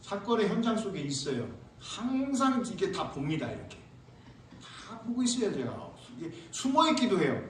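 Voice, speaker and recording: A male pastor preaching a sermon, telling a lively story and acting out church members. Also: high-pitched, normal speed, slight background noise. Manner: animated, acts out church members and sings hymn lines. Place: church sanctuary. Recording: echoey church hall, mic from far off.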